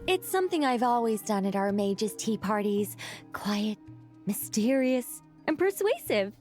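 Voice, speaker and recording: A woman voicing a serene, mysterious and quietly playful mage in a video game. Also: on the high side, sing-song, measured pace, soft background music.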